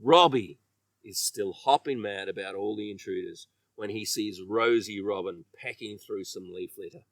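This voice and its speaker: A man reading a children's story with expressive, emphatic delivery, letting his phrase endings trail off. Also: on the low side, moderate pace, no echo, far from the mic. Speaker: children's author reading own book.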